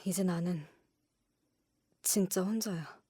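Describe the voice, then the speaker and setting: An independent young woman in a literary audio drama. She speaks slowly and sincerely, with a hesitant, heartfelt manner. The sound is dry, with no room on it. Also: lowish voice, warm tone, breathy edge, dry recording. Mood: reflective. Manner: slow, hesitant, heartfelt delivery.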